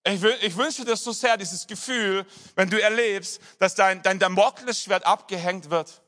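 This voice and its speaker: A middle-aged male pastor preaching a sermon, telling personal stories and dropping to soft emphasis. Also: high-pitched, normal speed.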